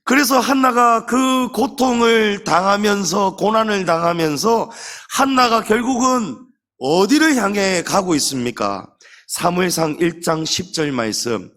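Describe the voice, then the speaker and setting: A man's voice: high voice, a bit bright. A man preaching as senior pastor at a Sunday service, emphatic and full of rhetorical questions to the congregation. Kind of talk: Sunday sermon. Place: church sanctuary during Sunday service. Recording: long church hall reverb.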